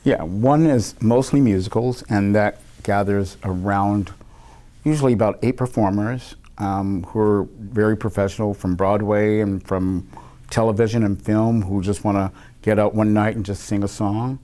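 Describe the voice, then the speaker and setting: A man with a fairly low voice talks casually as an interview guest. He rambles a little and laughs often while telling stories. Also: steady tone, normal speed, dark tone.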